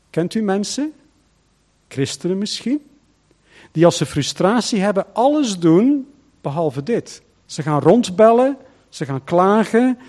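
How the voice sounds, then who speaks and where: A male pastor with a high voice delivers an emphatic sermon packed with rhetorical questions. His volume swings between loud and hushed.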